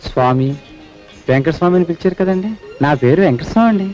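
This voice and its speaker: An actor playing a meek, kind-hearted village constable who talks in a deferential, pleading way. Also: male voice, on the high side, expressive, fast talker, darkish tone, close to an everyday voice. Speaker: police constable. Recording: dull old film soundtrack with music.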